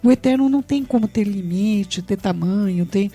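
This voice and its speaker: Brazilian woman preacher, Brazilian Portuguese accent, mid-pitched, earnest sermon delivery with frequent rhetorical check-ins. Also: normal speed, warm tone. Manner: earnest, tags phrases with rhetorical questions, addresses listeners fondly.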